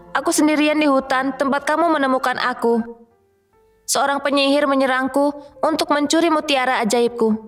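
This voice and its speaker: A woman's voice: high voice, close to an everyday voice. A woman playing a young lovelorn fairy, earnest and dramatic, in a children's fairy tale cartoon.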